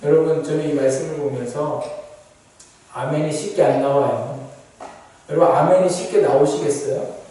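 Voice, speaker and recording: A man preaching as a pastor, constantly asking the congregation questions and swinging between raised, emphatic lines and low, quiet ones. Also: normal speed, long pauses. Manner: asks the congregation rhetorical questions again and again. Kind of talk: sermon. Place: church sanctuary. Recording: very echoey church, voice from a distant mic.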